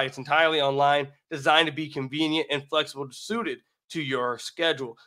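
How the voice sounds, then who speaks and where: A man's voice: fairly high pitch, sharp tone. An American man hosting a sports podcast, talking emphatically with repeated phrases, his voice slightly raggedy from being sick. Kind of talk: solo basketball commentary with sponsor read.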